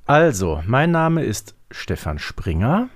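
Male podcast co-host, medium pitch with lively swings, casual quiz banter. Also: slow. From Ruhr area, Germany.

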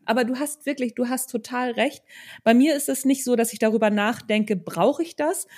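A woman's voice: on the high side, moderate pace, a little mellow. A woman hosting a casual conversational interview, agreeing and affirming as she talks. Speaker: podcast host, interviewer.

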